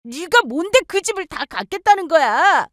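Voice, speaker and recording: A woman voicing a greedy young sister-in-law who whines and shouts. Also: extremely high pitch, very animated, normal speed, no echo, studio quality, voice pushed up, heavily acted. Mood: furious. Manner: whiny, shouting.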